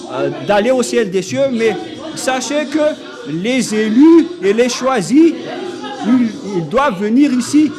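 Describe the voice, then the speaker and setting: A man delivers a sermon in a very high voice, taking his time and pushing his words out emphatically, often at a shout. Music plays clearly behind him, and the crowd of a live church service is clearly audible. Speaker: preacher.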